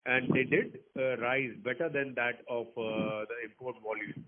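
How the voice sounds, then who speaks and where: A man's voice: mid-range voice, fairly even intonation, measured pace. A man, a company executive giving a clarifying explanation on a conference call. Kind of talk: explanatory earnings call answer. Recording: noisy narrowband phone conference line.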